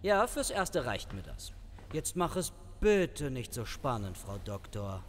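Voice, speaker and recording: An actor playing a flirtatious, evasive, smooth-talking police sergeant in a crime radio play. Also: male voice, mid-range voice, very animated, measured pace, long reverb tail, a little hiss or hum. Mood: eager, surprised. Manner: charming, wheedling, evasive. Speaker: actor in crime audio drama. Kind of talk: German crime audio drama acting.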